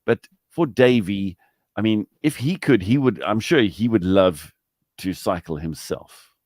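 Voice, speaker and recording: A man hosting a radio interview, chatty and animated, often laughing. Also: on the low side, a little slow, no echo, clean studio sound. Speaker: radio host. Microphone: studio microphone.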